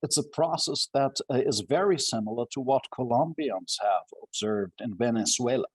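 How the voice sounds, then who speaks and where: A man with a husky voice giving assertive, analytical commentary on an academic panel. The sound is dry and close. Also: medium pitch, animated, moderate pace, no room sound.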